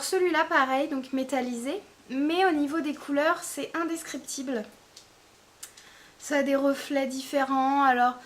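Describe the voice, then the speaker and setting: Chatty high-voiced woman reviewing polish. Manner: chatty, hesitant, many fillers. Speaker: beauty vlogger. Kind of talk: casual product review.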